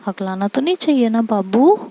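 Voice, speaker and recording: A jealous, possessive young woman, bossy and coolly threatening, voiced by a woman storyteller. The voice sits a little high with a gravelly edge and a mellow, dark tone. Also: very animated, normal speed. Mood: menacing.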